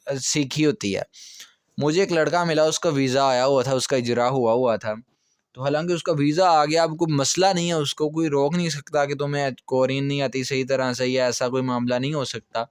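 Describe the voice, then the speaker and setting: A man's voice: medium pitch, steady tone, moderate pace, smooth, no echo. Guy teaching grammar, patient, keeps saying okay, dry close sound. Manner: patient, repeats checks like "okay" often. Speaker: language teacher. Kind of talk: explanatory grammar lecture.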